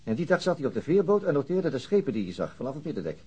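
A man's voice: a little high, big pitch swings, very fast, dark tone, breathy edge, dull audio. An actor playing a methodical, slightly weary police detective in a radio drama, hesitating as he thinks aloud. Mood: explaining, pondering. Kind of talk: naturalistic radio drama acting.

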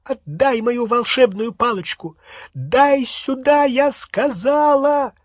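A man's voice: sits high, sing-song, a little slow, fairly bright tone, breathy edge, no echo, studio quality, voice pushed up, heavily acted. A man reading an audiobook, voicing a furious teenage girl witch who screams and mocks sarcastically. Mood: furious shrieking.

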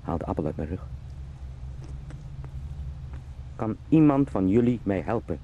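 A man's voice: sits low, animated, fairly quick, phone-quality sound, slight background noise. An actor playing an anguished, obsessive young man turned into a giant beetle, pleading and brooding in an intimate radio drama. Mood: pained, angry.

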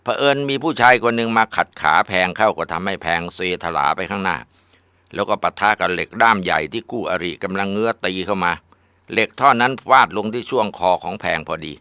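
A man's voice: on the low side, brisk, bright, forceful tone, clear, resonant tone, dry recording. A man casually narrating a ghost story in a conversational way.

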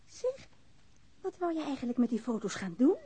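A woman's voice: high voice, big pitch swings, moderate pace, mellow. An actress playing a policeman's frank wife in a naturalistic radio drama, sardonic, playful and outspoken, teasing and eager by turns. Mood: bemused, challenging.

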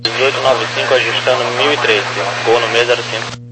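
Male radio operator, medium pitch, aviation exchanges through crackly static and noise. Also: little pitch movement, a little fast. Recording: noisy radio with engine-like background.

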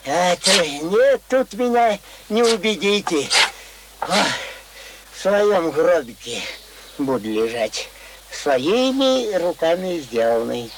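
Chatty old country grandpa, unhurried n folksy, radio play, bit of background noise. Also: male voice, high voice, sing-song, heavily acted. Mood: animated, stubborn. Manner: rustic colloquial speech, fond diminutives. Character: cheerful, folksy old village pensioner, talkative and stubborn. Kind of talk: radio drama acting.

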